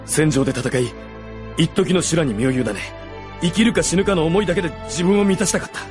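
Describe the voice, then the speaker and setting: An actor playing a gruff, proud undead warrior and brooding older brother in a Japanese radio drama. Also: male voice, a little high, fairly quick, music in the background, natural voice. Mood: anguished brooding. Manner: brooding, rough-spoken, heartfelt.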